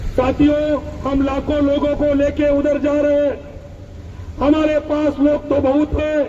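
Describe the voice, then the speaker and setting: A man with an extremely high pitch talks in a monotone, flat intonation at very even loudness, with noticeable background noise behind him. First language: Marathi (speaking Hindi). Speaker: political party speaker. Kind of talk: political rally speech.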